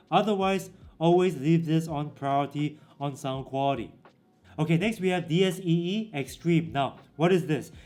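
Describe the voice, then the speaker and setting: A man's voice: on the high side, a little mellow. A man who reviews tech gear, walking through product settings in a casual, direct way. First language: English. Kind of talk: product walkthrough.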